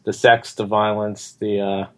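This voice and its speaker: A man with a fairly low voice talks loudly and with energy as a podcast guest. He sits a little back from the microphone, so his voice carries more of the room. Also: flat delivery, unhurried. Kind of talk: casual film discussion.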